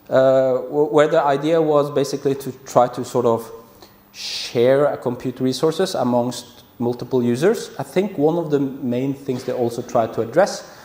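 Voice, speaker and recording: Audible room echo surrounds a man speaking at a moderate pace with ordinary pitch variation. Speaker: conference speaker. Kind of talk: lecture. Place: hall.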